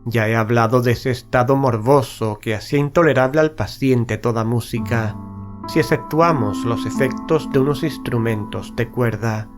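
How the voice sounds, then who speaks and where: A man narrating a literary horror story in a measured, solemn, carefully enunciated dramatic style. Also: medium pitch. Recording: background music under studio narration. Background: music.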